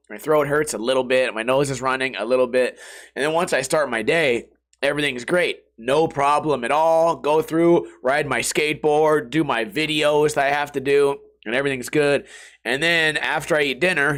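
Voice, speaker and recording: Sick young guy hosting his podcast, scratchy half-gone voice, kinda high for a dude, slangy and cussing a lot. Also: fairly bright tone. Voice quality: hoarse, rough voice. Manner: slangy and profane, drifting between topics. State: sick, voice partly lost. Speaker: podcast host. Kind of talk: casual rambling monologue.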